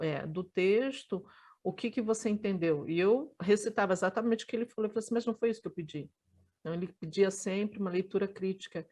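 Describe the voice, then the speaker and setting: A Brazilian woman in her forties telling her life story in an interview, thoughtful and halting, with many restarts. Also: lowish voice, warm tone. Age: 40s.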